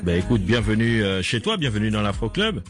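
A man's voice: on the low side, big pitch swings, brisk. A man hosting a radio music show, interviewing a guest in a friendly, encouraging way and often finishing the guest's sentences. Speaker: radio host.

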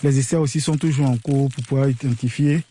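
A man's voice: mid-range voice, fairly even intonation, brisk, dark tone, slight background noise. A man botanist speaking in an interview, carefully searching for words.

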